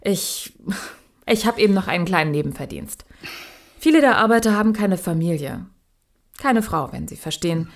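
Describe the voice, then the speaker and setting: An actress playing a blunt, guarded young machinist in a sci-fi audio drama, speaking colloquially with some hesitation. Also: female voice, fairly low pitch, expressive, normal speed, pauses often. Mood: guarded, hesitant. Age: young adult. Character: young working-class woman machinist, casual, blunt, guarded.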